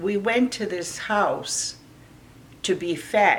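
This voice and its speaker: Noticeable background noise surrounds a woman. She speaks at a fairly high pitch and a very slow pace. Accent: Maine. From Passamaquoddy community, Maine (US), near New Brunswick border. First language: Passamaquoddy. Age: 70s. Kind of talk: personal testimony. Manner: halting.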